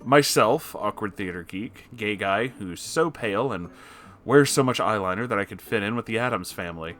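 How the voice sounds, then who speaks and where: A man's voice: on the low side, moderate pace, fairly bright tone, faint music behind. A man reading an online post aloud, breaking off now and then with disgusted reactions. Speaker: story reader.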